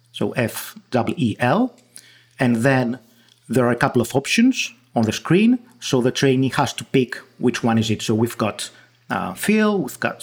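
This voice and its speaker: Greek guy w/ husky voice, explains stuff, lots of ums and restarts. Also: medium pitch. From Greece. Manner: hesitant, many restarts and fillers. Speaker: guest researcher. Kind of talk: interview.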